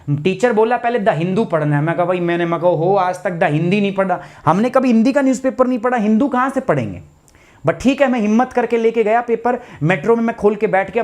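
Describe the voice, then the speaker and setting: A man's voice: high-pitched, a little mellow. A man, a teacher telling a personal story to students in a live online class, chatty and anecdotal.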